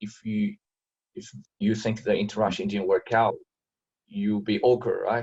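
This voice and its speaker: Long, frequent pauses break up the speech of a man with a non-native accent. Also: moderate pace. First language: not English. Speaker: dating coaching client. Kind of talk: testimony. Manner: halting.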